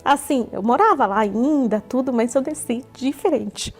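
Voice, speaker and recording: A woman's voice: high voice, normal speed, darkish tone. Earnest Brazilian woman giving a testimony. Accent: Brazilian Portuguese. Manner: earnest, repeats herself often. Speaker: church member giving a testimony. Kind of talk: personal testimony. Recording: faint music underneath.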